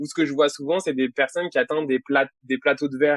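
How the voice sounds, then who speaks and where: Fairly high in pitch, this man's voice keeps a fairly even intonation. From south of France. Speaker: Reiki master and energy coach. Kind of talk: interview answer.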